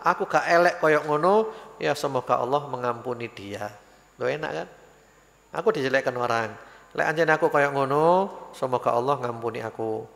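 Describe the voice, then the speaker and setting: A man preaching in a mosque, his voice gravelly and his speech carrying an East Javanese accent. He tells his stories lively, putting on the voices of the people in them, and a long reverb trails each phrase of the live broadcast. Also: fairly high pitch. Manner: storytelling, acts out quoted voices, mixes Javanese into Indonesian. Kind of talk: sermon.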